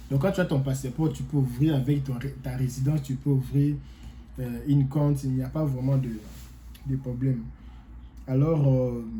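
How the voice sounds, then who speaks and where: Rambling man with a very dark voice. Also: mid-range voice, a little hiss or hum, poor audio. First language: not French. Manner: rambling, repeats himself, many hesitations. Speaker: vlogger giving advice. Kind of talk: casual advice talk to viewers.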